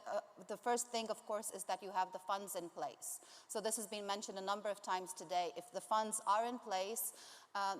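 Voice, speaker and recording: A woman from Zambia giving a conference talk as a climate campaigner, speaking hesitantly with many ums and uhs. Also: mid-range voice. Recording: long reverb of a large hall.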